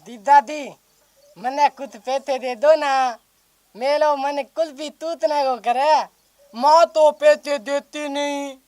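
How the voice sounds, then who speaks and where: A man's voice: extremely high pitch, steady tone, slow pace, a little mellow, no echo. A man voicing a childish, simple-minded grown brother-in-law who talks in lisping baby-talk, in a comedy skit. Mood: whiny. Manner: baby-talk lisp, swapping sounds.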